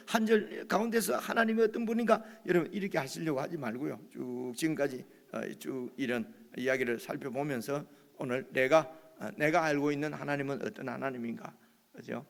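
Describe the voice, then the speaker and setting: A man's voice: on the high side, creaky, long reverb tail. A man preaching a sermon, passionately voicing the protests in the scripture he reads. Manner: impassioned, acts out the speaker's protests in the text. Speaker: pastor. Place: church sanctuary.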